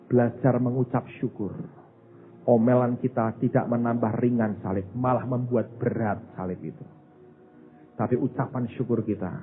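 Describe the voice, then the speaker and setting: Indonesian pastor preaching, phone-like sound. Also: male voice. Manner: storytelling preacher, addresses listeners as "saudara"; acts out a child's excited voice in high bursts. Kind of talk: sermon. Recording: phone-like narrow sound with faint music.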